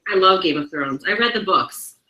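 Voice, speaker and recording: A woman's voice: fairly low pitch, animated, normal speed, sharp tone, muffled recording. A woman as an interview guest, chatting candidly and laughing easily. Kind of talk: casual interview chat. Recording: echoey room.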